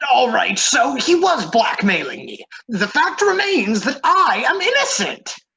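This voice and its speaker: Pitched extremely high, this put-on character voice swings very widely in pitch at a moderate pace. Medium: comedy sketch. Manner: stammering, nervous.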